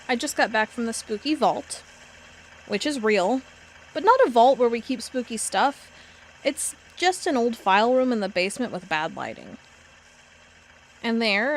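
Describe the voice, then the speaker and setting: An actress playing a determined, plain-spoken FBI agent in an audio drama, matter-of-fact and wry. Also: female voice, a little high, lightly acted. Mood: wry, confiding. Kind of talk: audio drama dialogue and recorded-log monologue.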